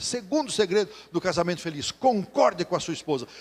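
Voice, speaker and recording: A man's fairly quick, animated delivery with very wide pitch swings. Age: 60s. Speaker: retired pastor. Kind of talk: sermon.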